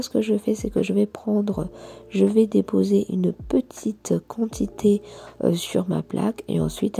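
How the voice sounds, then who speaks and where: A woman reviewing nail gels and narrating a nail tutorial, hesitant with many fillers and soft half-whispered asides. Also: medium pitch, creaky, husky. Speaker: nail artist reviewing products. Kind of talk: product review and tutorial voice-over.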